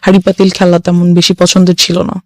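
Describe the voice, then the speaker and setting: A woman's voice: fairly low pitch, monotone, fairly quick, no room sound. Young woman earnestly telling her story. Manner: earnest, mixes English phrases into her talk. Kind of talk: personal storytelling.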